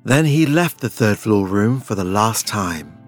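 A man reading a literary story as an audiobook narrator, measured and dramatic in his delivery. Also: on the low side, lively intonation, no echo, soft background music.

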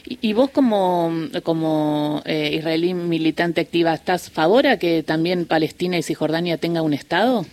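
A woman's voice: lowish voice, moderate pace, few pauses, a little mellow, dry recording. A woman with an Argentine Spanish accent, co-hosting a radio interview and asking casual, hesitant questions. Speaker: radio co-host.

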